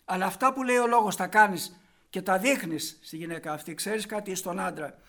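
Man preaching a sermon, really high voice, keeps throwing questions at the crowd, goes quiet then loud. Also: vocal fry. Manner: emphatic, with rhetorical questions to the congregation; shifts between hushed asides and loud stressed points.

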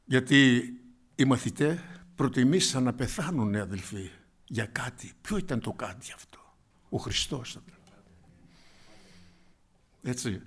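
Speaking in a mid-range, breathy-edged voice with frequent pauses, a man delivers a fervent sermon. He calls his listeners brothers and swings from hushed asides to loud eruptions.

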